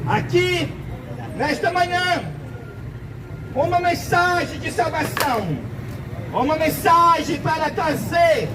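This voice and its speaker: A Brazilian man with a Brazilian Portuguese accent preaching a sermon in a slow, deliberate, emphatic way, recorded outdoors. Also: very high voice, lively intonation, crowd noise. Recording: outdoor traffic noise behind.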